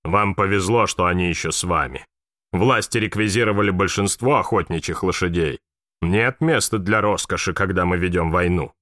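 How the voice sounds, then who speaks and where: A pompous middle-aged army sergeant speaks in a very deep, low voice, as a male narrator reads him. The tone is stiff and self-important, recorded close and dry with no room sound. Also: normal speed, a bit bright, dry recording. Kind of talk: audiobook reading.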